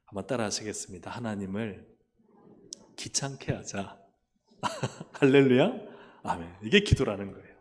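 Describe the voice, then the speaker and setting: A man pastor preaching a lively sermon, calling for amens and asking the congregation questions. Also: lowish voice, moderate pace, pauses often. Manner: acts out quoted voices and asks the listeners questions. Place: church sanctuary. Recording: long church hall reverb.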